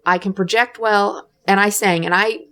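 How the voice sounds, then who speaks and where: With a steady, fairly bright mid-range voice at a moderate pace, a woman co-hosts a casual podcast. She hedges and reflects, often backing up to begin again with "I mean."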